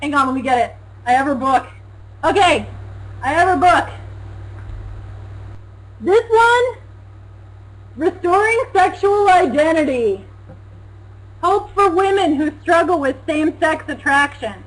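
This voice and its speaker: A young woman with a high voice talks loudly and animatedly on a casual talk show. She teases and laughs easily as she co-hosts. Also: measured pace, pauses often, low-quality recording. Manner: loud, animated, mocking, laughs often. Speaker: co-host.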